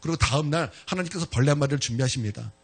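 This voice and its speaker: A male pastor preaches a sermon in church, retelling a story animatedly and speaking directly to his congregation. His voice is a little high and husky with vocal fry, and he talks very fast.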